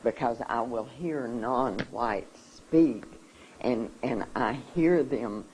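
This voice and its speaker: A speaker addressing a seminar audience, emotional and halting, often restarting sentences. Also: medium pitch, a little mellow, slight background noise, rough recording. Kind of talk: personal talk to an audience.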